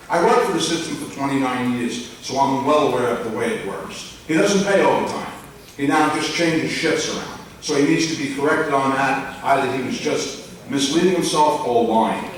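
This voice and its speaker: An older man from Long Island, speaking bluntly and loudly to a town board during public comment. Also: mid-range voice, a little hiss or hum. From Long Island, New York. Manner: blunt, complaining, loud. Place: large echoey public meeting room. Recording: echoey room audio from far off.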